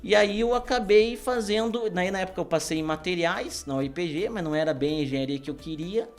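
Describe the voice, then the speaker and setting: A man talks through his life story as a podcast guest. His voice sits a little high for a man, and he tells it in a relaxed way, laughing easily. Soft music plays faintly behind him. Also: fast. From Brazil, grew up in Paraná. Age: 30s. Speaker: guest, engineering professor. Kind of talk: casual podcast interview.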